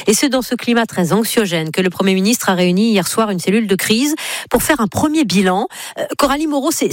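A woman presenting a radio news bulletin in a measured, formal way. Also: mid-range voice, no room sound. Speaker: news anchor. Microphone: studio microphone.

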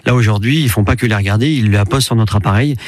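Fast-talking man, dry studio sound. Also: on the low side, no room sound. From France. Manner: fast, eager, repeats words while explaining. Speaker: company CEO, interview guest. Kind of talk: radio interview, explaining.

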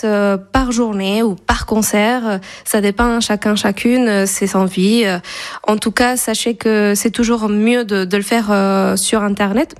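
A woman from Spain in her thirties with a Spanish accent, answering radio interview questions with many fillers and restarts. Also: medium pitch. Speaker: festival staff guest.

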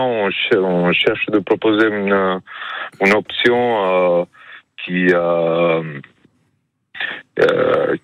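A man running a small pizzeria, answering hesitantly with many pauses and fillers. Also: low-pitched, no room sound, muffled recording. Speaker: pizzeria owner guest.

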